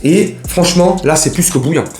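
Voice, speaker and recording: Male football vlogger, rambling slangy banter, slightly high voice, roomy echo. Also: a little fast, a little mellow. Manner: rambling, joking, slangy, talks straight to viewers. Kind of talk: casual mercato chat to camera.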